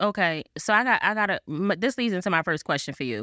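In a very clean recording with a silent background and a dry, close sound with no echo, a woman speaks with lively intonation and an animated tone. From West Philadelphia. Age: 30s. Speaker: podcast host. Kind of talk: casual interview chat.

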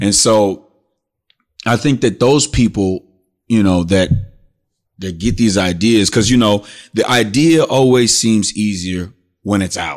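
A man with an American accent speaks at a fairly slow pace and fairly low pitch, leaving long, frequent pauses. His pitch varies in an ordinary way, and the recording is very clean with a silent background. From Texas. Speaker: videographer and podcaster. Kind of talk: casual chat.

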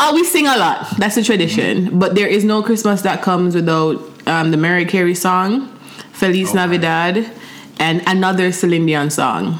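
A woman speaks at a very even loudness. Audible room echo and noticeable background noise fill the recording. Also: medium pitch for a woman, ordinary pitch variation, moderate pace. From Jamaica. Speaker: podcast co-host. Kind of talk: casual chat.

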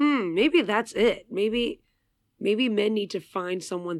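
A normal speaking voice with an American accent moves at a fairly slow pace. Its pitch variation is ordinary. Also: woman. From New York City. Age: 30s. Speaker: podcast co-host. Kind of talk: casual chat.

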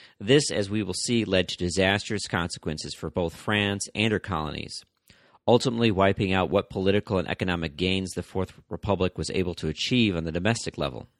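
A man's very deep, low voice at a fairly quick pace, recorded dry and close with no echo. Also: ordinary pitch variation. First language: not French. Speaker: history podcast host. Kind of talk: scripted narration.

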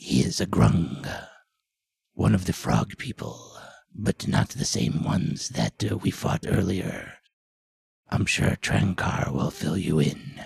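A man puts on a character voice with a very deep, low pitch and very wide pitch swings. He talks at a fairly slow pace, with long, frequent pauses. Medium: actual play. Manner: formal, polite.

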